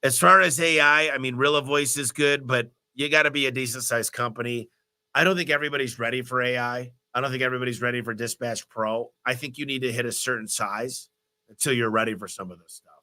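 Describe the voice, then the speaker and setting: Stuffy-nosed man, bright energetic voice. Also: mid-range voice, fast. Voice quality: stuffy, nasal. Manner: energetic, motivational, rambling. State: congested with a cold. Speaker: host of a business Q&A livestream. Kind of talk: live Q&A answering viewer questions.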